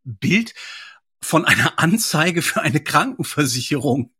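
A man who is a guest on a podcast, talking in a relaxed, analytical way and laughing easily. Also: fairly high pitch, measured pace, husky, no room sound, clean studio sound. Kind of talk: casual chat.

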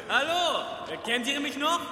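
Casting: teasing young boy, high animated voice, echoing cave acoustics. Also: exaggerated voice. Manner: lively, teasing. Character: playful, mischievous boy. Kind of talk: German audio drama acting. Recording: echoing cave-like sound, noisy.

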